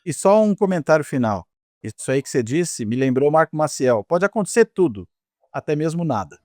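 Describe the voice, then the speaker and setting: A man with a Brazilian Portuguese accent giving measured, analytical political commentary, often tagging his points with quick questions. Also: a little high, very animated, a little mellow, no echo, clean studio sound. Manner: measured, lecturing, frequent tag questions. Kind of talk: analytical panel discussion.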